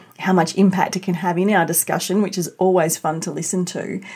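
With an Australian accent, a woman speaks at a moderate pace in a dark, mellow tone and medium pitch. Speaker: podcast host. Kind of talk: podcast interview, intro and conversation.

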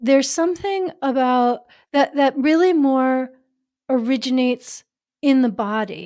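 In a very clean recording with a silent background, a woman speaks at a fairly slow pace, her high pitch carrying a dark, mellow tone and ordinary pitch variation. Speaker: relationship and intimacy coach, former physician. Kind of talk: interview conversation, coaching advice. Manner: softer, slower voice when evoking tenderness.

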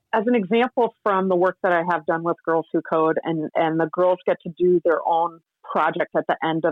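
A woman speaks with a General American accent in an unremarkable speaking voice. Her pitch is fairly low, with ordinary variation, and her pace is moderate. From Colorado. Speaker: film lighting director. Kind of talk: interview.

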